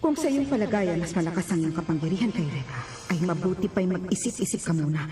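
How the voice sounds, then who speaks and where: A woman's voice: lowish voice, lively intonation, fast, dark tone, faint music behind, natural voice. A woman voicing a mysterious, cool and knowing woman in an anime dub. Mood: cool challenge. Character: mysterious, composed woman who warns and challenges. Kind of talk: Tagalog anime dub acting.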